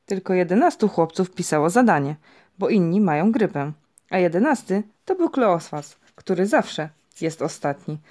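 Woman, storybook narration, lively, expressive, slightly low voice. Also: moderate pace. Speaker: audiobook reader.

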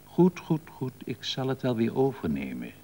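A man's voice: medium pitch, wildly swooping pitch, moderate pace, warm tone, pitched above the performer's own voice. Wry older woman, as an old man reads her. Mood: weary. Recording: long reverb on old broadcast tape.

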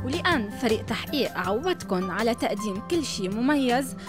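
A woman's voice: a little high, lively intonation, fairly quick. A woman with a Lebanese Arabic accent, reading scripted documentary narration as a TV reporter. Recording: voice-over with music bed.

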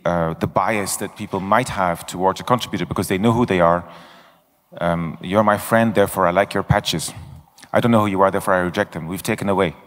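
Middle-aged male conference speaker, blunt and self-mocking, low voice, big reverberant hall. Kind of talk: conference talk and Q&A. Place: large conference stage. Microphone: handheld microphone.

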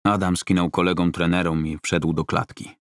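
A male audiobook narrator with a deep voice. He reads scripted fiction close to the microphone. The studio sound is dry, with no audible room. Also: flat delivery, normal speed, clear, resonant tone, dry recording.

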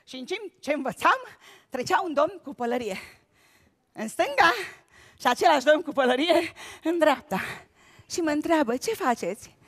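High-voiced woman telling a comic story. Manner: animated storytelling with shouted bits. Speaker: comic actress. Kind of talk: stand-up comic monologue. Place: stage at an awards gala.

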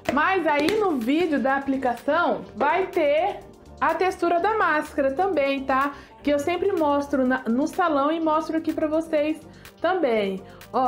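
A chatty woman in her thirties from Brazil, reviewing hair products to camera with a high, bright voice. She talks with easy enthusiasm and pokes fun at herself, recorded on a lapel mic in a small home studio. Soft music plays faintly underneath.

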